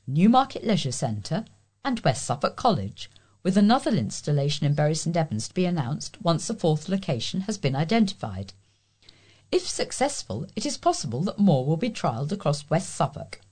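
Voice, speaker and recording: A woman's voice: lowish voice, darkish tone, slightly rough. A woman reading local news and columns aloud as a volunteer reader.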